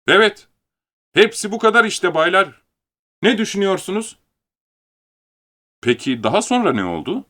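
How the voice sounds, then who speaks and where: A man reading a first-person story aloud as an audiobook, with animated, theatrical storytelling. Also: medium pitch.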